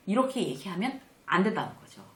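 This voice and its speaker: A woman's voice: mid-range voice, fast. Woman lecturer chatting about office manners, voice bounces up and down a lot, roomy echo. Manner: acts out quoted lines, lively and chatty. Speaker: workplace etiquette lecturer. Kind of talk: conversational lecture to camera.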